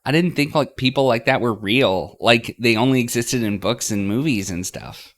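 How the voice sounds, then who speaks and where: A man voicing a shy, awkward young woman in a game, halting and easily flustered. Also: mid-range voice, pitched above the performer's own voice, natural voice. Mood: stunned. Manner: hesitant, halting.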